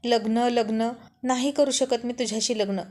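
Stern cranky young guy who keeps scolding, a lady storyteller reading him, voice a bit high. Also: steady tone, normal speed, a little mellow, close to an everyday voice. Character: stern young man, irritable and stubborn.

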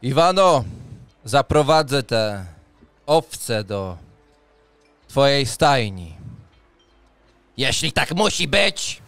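A man narrating a tabletop roleplaying game as game master in a measured, deliberate way. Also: medium pitch, big pitch swings, a bit bright, dry recording, faint music behind. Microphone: close studio microphone on arm.

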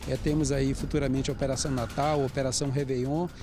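A man with a Brazilian accent giving a brisk, matter-of-fact news interview answer. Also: mid-range voice, flat delivery, music in the background. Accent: Brazilian Portuguese. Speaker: official interviewee. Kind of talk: interview soundbite.

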